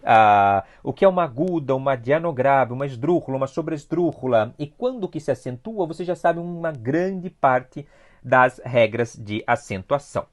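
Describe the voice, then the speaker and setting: A Brazilian teacher leads an online review lesson, and their pitch rises and falls in a lively, animated way. They go through the material patiently and step by step, repeating key points. They often pause to check in with the class. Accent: Brazilian Portuguese. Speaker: Spanish teacher.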